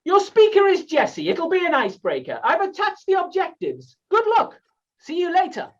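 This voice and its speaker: A man voicing a chirpy, welcoming online club host from Canada with brisk, gushing politeness, in comic storytelling. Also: very high voice, wildly swooping pitch, far from the mic, highs cut off, voice pushed up, exaggerated voice. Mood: breezy.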